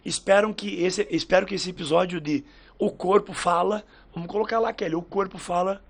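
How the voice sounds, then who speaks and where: A man with a fairly high, husky voice and a gravelly edge tells stories in a relaxed podcast chat. He acts out what people said in lively little voices. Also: fairly quick. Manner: lively storyteller who acts out quoted dialogue. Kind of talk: casual podcast chat, storytelling.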